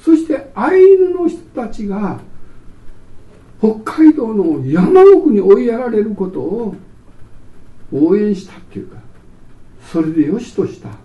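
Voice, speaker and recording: Man, pastor, sermon, lively swinging pitch, echoey church hall from far off. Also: unhurried, pauses often, highs cut off. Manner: animated storytelling, acts out scenes. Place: church sanctuary.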